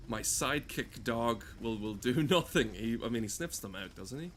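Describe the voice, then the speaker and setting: A man's voice: mid-range voice, animated, moderate pace, a bit bright, slight background noise. A man giving casual, rambling gameplay commentary in a sardonic, exasperated and sweary way. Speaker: game streamer.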